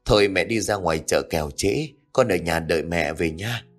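A man voicing a meek, patient young mother who speaks softly and holds back tears. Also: low voice, moderate pace, soft background music, natural voice. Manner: soft, meek, restrained.

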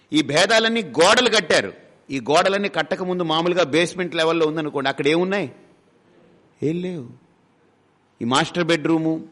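A man's voice: fairly high pitch, a bit bright. A man giving a spiritual discourse, asking rhetorical questions and briefly acting out everyday speakers. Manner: rhetorical questions, acts out householders' quotes. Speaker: spiritual teacher. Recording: long hall reverb.

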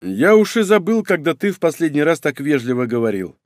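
Guy narrating as a blunt teasing clan elder, brisk, lively pitch, dry sound. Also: no room sound. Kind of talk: audiobook reading.

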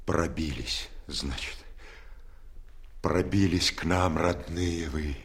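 An actor playing a wounded army major, weary but commanding, with halting, strained speech in a radio war drama. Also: male voice, extremely low pitch, vocal fry, husky, full character voice. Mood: weary, probing. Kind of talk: Soviet radio drama acting.

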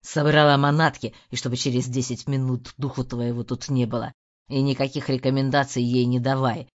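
A woman voicing an angry, hungover burly husband with a hoarse, growling voice. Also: a bass voice, little pitch movement, brisk, lo-fi sound, voice pushed down. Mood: furious. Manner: shouting furious threats.

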